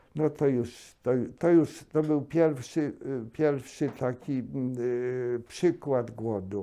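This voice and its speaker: Set against a quiet background, the delivery is very slow. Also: hardly any pauses. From Poland, Tarnów. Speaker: Holocaust survivor, former camp prisoner. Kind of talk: oral history testimony. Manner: halting, with frequent fillers and restarts.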